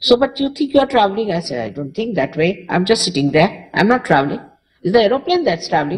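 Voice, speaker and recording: A woman speaks at a very fast pace with very wide pitch swings. Her voice is somewhat breathy. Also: medium pitch for a woman. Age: 60s. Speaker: spiritual teacher. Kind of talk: public spiritual talk.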